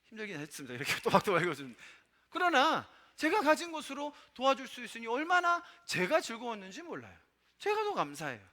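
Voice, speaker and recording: Animated, bright-voiced Korean pastor preaching. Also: male voice, extremely high pitch, fairly quick. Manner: emphatic, rhetorical questions to the congregation. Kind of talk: sermon. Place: church sanctuary.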